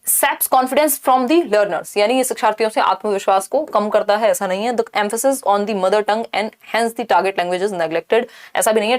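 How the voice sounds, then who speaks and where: A woman teacher explaining an exam-prep lesson step by step, mixing in English terms and asking rhetorical questions. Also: medium pitch. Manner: asks rhetorical questions and checks in with "thik hai".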